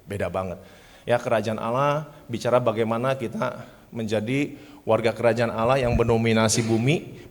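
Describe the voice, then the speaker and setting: A man preaching, telling funny stories between points. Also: medium pitch. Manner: lively storyteller, acts out voices. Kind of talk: sermon with comic storytelling. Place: church. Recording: church hall reverb.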